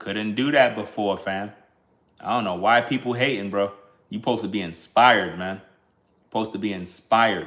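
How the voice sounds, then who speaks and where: Here a man uses an ordinary speaking voice at a medium pitch. He keeps a moderate pace with ordinary pitch variation. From New York. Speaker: YouTube commentator. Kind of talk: casual livestream commentary. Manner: laid-back, casual slang.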